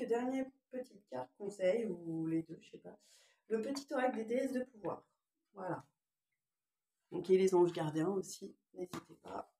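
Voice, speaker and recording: A woman's voice: medium pitch, echoey room. A woman with a lingering cough giving an informal spiritual card reading, moving between read-out passages and hesitant, musing asides. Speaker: oracle card reader.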